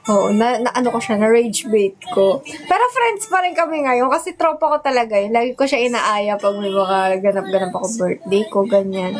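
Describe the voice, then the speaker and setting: A young woman with a high, light voice chats on a livestream, talking into a phone. She tells her stories in a loose, rambling way, full of fillers and breaking into giggles. Soft music plays faintly behind her. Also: expressive, normal speed, low-quality recording. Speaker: livestream host. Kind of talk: casual livestream chat.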